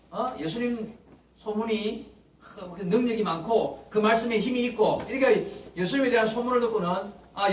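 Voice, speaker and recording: A man preaching a Sunday morning sermon as pastor, acting out the words of Bible figures. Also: high-pitched. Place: church sanctuary. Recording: roomy church echo, mic at a distance, faint hiss.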